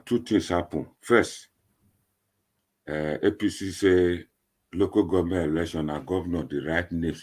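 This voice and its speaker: Deep, husky Nigerian Pidgin-speaking man. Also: darkish tone. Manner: repetitive, emphatic, rambling. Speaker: online political commentator. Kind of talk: informal Nigerian Pidgin commentary to online viewers.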